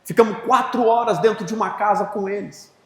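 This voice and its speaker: Brazilian male pastor, high voice, impassioned sermon swinging up to shouted prayer; echoey church hall. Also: fairly quick. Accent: Brazilian Portuguese. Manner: tells a personal story, rising to shouted prayer.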